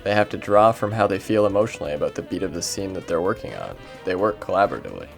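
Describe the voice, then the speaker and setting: Brisk, low, gravelly man reading quotes. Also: animated, over music. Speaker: quote reader. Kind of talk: scripted reading of quotations.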